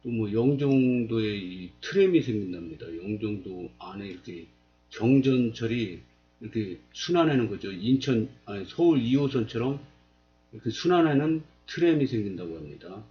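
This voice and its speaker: A man's voice: on the low side, moderate pace, highs cut off, soft background music. A man in his fifties talking casually on his own channel, explaining a local area while pointing things out on a map and asking himself rhetorical questions. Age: 50s. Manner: plain, steady, asks rhetorical questions. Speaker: video blogger.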